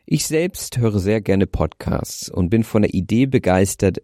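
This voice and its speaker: A young man in his twenties with a light north German accent reads his prepared podcast script in a careful, deliberate way. His voice sits very low and dark, and the sound is close and dry, with no room ring. He speaks into a handheld mic from under a blanket in bed. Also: dry recording. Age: 20s. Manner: careful, deliberate delivery aiming for standard German. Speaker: podcast host. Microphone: handheld microphone.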